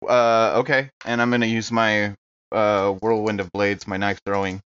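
A man's voice: fairly low pitch, flat delivery, normal speed, lo-fi sound, noisy background. A man playing a tabletop roleplaying game, talking casually at the table as a player.

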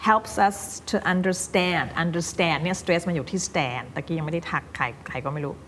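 A woman teaching English pronunciation, drilling single words slowly and then explaining quickly. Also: low-pitched, animated, a bit bright, a little hiss or hum. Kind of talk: pronunciation coaching. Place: recording studio.

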